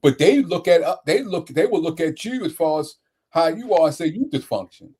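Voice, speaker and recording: A man speaking on a casual panel discussion, halting and repeating words as he works toward his point. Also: a little high, animated, a little mellow, slightly rough.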